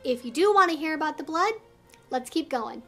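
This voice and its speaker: A woman's voice: high voice, expressive, a little fast, a bit bright, soft background music. A woman hosting an educational explainer video, speaking in an articulate, earnest, explanatory way. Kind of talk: explainer video to camera, semi-scripted.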